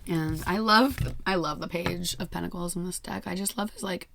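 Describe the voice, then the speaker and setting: A hoarse woman who has nearly lost her voice gives a chatty daily tarot reading into a microphone, laughing often. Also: fairly low pitch, moderate pace, noisy background. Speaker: tarot reader.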